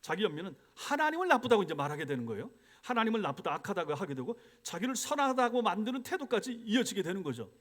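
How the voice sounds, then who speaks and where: Lively, quick-talking man preaching. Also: high voice. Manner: animated preaching, acts out complaining prayers. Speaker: pastor. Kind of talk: sermon. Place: church sanctuary.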